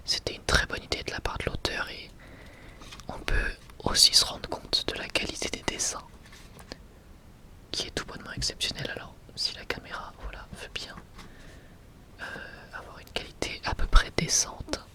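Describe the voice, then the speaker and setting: A person whispering softly and casually in an unscripted, hesitant ASMR presentation. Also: normal speed. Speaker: ASMR video creator presenting a manga collection.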